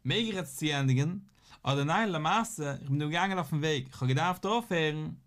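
A man's voice: on the high side, a little fast, a bit bright. A man, a rabbi, giving a daily Talmud lesson, posing questions and answering them in a study singsong.

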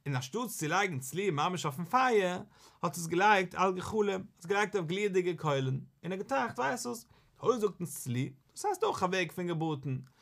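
Animated rabbi teaching, man, higher voice. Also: fairly quick, gravelly. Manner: animated, questioning, sing-song rise and fall. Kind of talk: Talmud study lesson.

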